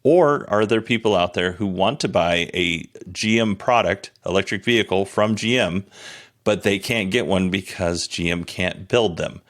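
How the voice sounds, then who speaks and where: Deep-voiced man hosting a podcast. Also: moderate pace, a bit bright. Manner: conversational, candid, self-deprecating. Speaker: podcast host. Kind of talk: casual solo news commentary.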